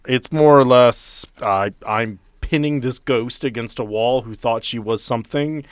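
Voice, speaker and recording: A man's voice: mid-range voice, measured pace, clear, resonant tone, dry recording. A man playing a tabletop game, casually and bluntly narrating what his character does, with plenty of swearing.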